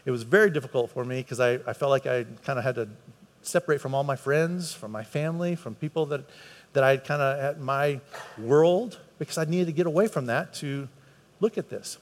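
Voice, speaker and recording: A man's voice: mid-range voice, fairly quick. A man preaching a conversational sermon to a congregation, earnest and repeating words for emphasis. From United States. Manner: earnest, repeats words for emphasis, voice climbs when stressing a point. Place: church hall with a live congregation. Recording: long hall reverb.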